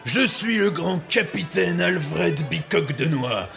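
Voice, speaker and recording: A man acts out a melodramatic pirate captain with a heavily creaky, fairly high voice. He is a pompous braggart with a grandiloquent turn of phrase, set over faint music in an audio drama. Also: expressive, slow, fairly bright tone, exaggerated voice. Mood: boastful. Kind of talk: French audio drama acting.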